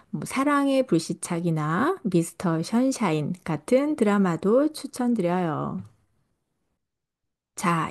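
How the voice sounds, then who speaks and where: Woman teacher reading her podcast script real slow, soft warm tone. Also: medium pitch. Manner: slow, careful delivery for learners. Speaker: Korean language teacher and podcast host. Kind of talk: scripted podcast narration for learners.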